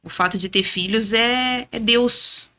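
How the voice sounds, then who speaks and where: A woman in her thirties telling a personal faith story as a podcast guest, earnest and lively, often adding "né?". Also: fairly high pitch, slow. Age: 30s. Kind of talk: testimony in casual chat.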